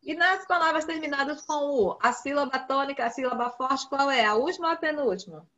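High-voiced Brazilian woman teaching children. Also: a bit bright, muffled recording. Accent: Brazilian Portuguese. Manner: patient, repeats key words slowly for children. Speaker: primary school teacher. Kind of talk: online class instruction. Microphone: video call.

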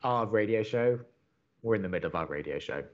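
A man plays a young college radio co-host in an audio drama, wry, blunt and impatient. His voice sits fairly low and he speaks with sardonic emphasis. The sound is slightly dull. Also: expressive, brisk, natural voice. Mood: flustered. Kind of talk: naturalistic audio drama dialogue.

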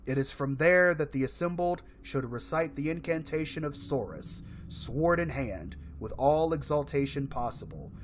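A man in his thirties giving casual, expressive commentary as he plays and reads aloud from a video game. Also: a little high, moderate pace, hardly any pauses, slight background noise. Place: indoor room, solo gaming setup.

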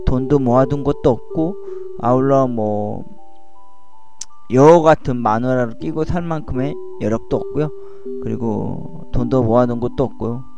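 A man in his forties talking slowly about his own life into a cheap home microphone, with a slight lisp, slurred diction and many hesitant fillers. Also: medium pitch, a little mellow. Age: 40s. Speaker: YouTuber. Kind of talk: personal monologue over music. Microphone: cheap microphone at home computer. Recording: music playing behind voice.

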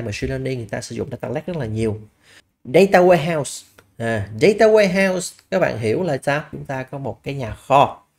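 A man's voice: medium pitch, darkish tone. A man lecturing over slides as a business analysis instructor, explaining step by step, asking rhetorical questions and using fillers along the way.

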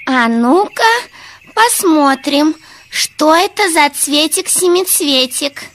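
High-voiced, dreamy little girl. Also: lively intonation, slow, a bit bright, no room sound, exaggerated voice. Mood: curious, delighted. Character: little girl Zhenya, dreamy, eager fairy-tale child. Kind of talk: children's audio fairy tale acting.

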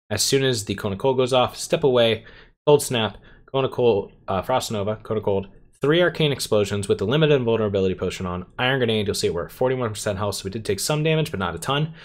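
Man talking through a game run. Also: lowish voice. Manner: explanatory, step-by-step instructional. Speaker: game guide creator. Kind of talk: gameplay walkthrough commentary.

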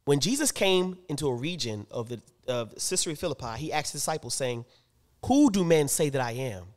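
A man co-hosting a casual theology podcast, reading scripture aloud and riffing on it with laughter and loud emphatic bursts. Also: fairly high pitch, lively intonation, brisk. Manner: reads scripture aloud then riffs on it. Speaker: podcast co-host.

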